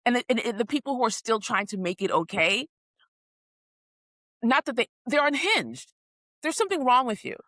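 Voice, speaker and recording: A woman's voice: fairly high pitch, lively intonation, normal speed, long pauses, fairly bright tone, no echo, studio quality. A woman co-hosting a podcast, speaking casually and indignantly, tripping over repeated words. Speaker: podcast co-host. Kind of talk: casual conversational podcast chat.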